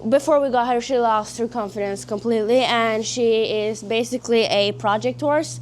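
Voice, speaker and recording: A teenage horse vlogger from Norway chats casually through a horse-care tutorial, outdoors or in a stable with her horse. Her voice is a little high and a little mellow, with a Norwegian accent. She's chatty and self-conscious, using lots of fillers.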